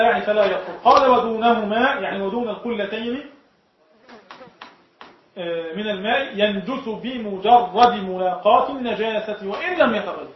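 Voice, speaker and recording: A man with an Egyptian Arabic accent leads a classroom lesson on jurisprudence and keeps asking the class whether each point is clear. His voice sits high. The recording is dull and lo-fi, with heavy echo from the lecture room. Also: slight background noise. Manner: explains point by point, often asks the class if it is clear. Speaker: sheikh teaching Shafi'i jurisprudence.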